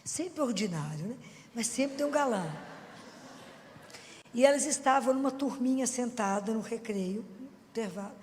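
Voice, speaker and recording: A woman with a Minas Gerais accent giving a lively Catholic preaching talk, chatty and folksy, often asking the audience questions. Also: on the high side, moderate pace, long pauses, a little hiss or hum. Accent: Minas Gerais Brazilian Portuguese. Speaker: Catholic lay speaker. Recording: long hall reverb.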